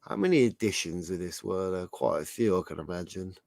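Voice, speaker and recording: A man with a sore, hoarse throat, hosting a casual livestream and rambling chattily as he browses. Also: sits low, brisk, darkish tone, no room sound, clean studio sound. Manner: chatty, rambling, thinks aloud while browsing. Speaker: livestream host.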